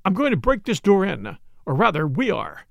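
A man voicing an urgent, brusque and uneasy doctor in an audiobook, sharp and insistent in manner. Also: sits high, huge pitch swings, normal speed, creaky, no echo, dull audio, exaggerated voice. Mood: determined. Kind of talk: audiobook character dialogue.

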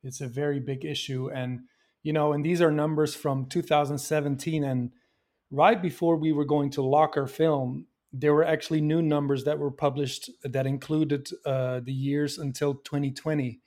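A man's voice: on the high side, fairly even intonation, moderate pace, mellow. A man from Belgium, a filmmaker, answering interview questions in a thoughtful, earnest way with frequent fillers and restarts.

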